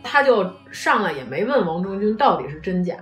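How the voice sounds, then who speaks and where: A woman's voice: mid-range voice, brisk. A woman with a Beijing accent chatting casually and teasingly as a podcast host. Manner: animated, teasing. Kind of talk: casual chat. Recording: roomy echo, faint music behind.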